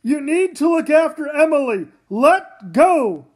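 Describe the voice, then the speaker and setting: A woman voicing an earnest father in a comic read-aloud, with her voice lowered. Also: sing-song, a little slow, a little mellow. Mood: desperate. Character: adult father, easygoing then desperate.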